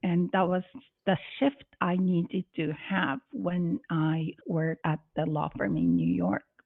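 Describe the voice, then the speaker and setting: At a very slow pace, a woman with a Japanese accent and a fairly low pitch uses lively intonation at very even loudness. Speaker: corporate lawyer. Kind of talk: interview.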